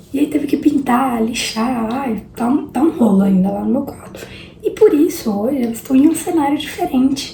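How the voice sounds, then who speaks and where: In a recording with audible room echo and noticeable background noise, a woman speaks with ordinary pitch variation. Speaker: YouTuber. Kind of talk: casual reaction video. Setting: sister's bedroom. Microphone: possible room echo.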